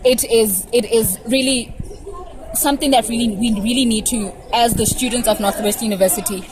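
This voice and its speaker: A woman's voice: a little high, steady tone, normal speed. A young woman student from Pretoria speaking out earnestly about social problems, often repeating words as she builds her point. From Pretoria, South Africa. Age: young adult. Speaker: university student. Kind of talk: impassioned vox pop answer. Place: outdoors on a campus. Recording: noisy outdoor recording.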